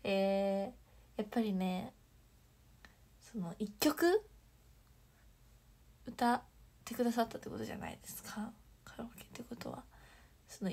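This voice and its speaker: A young woman chatting on a livestream, reading viewer comments and thanking fans, bubbly and chatty with soft whispery asides. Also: mid-range voice, gravelly, husky. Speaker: idol livestreamer.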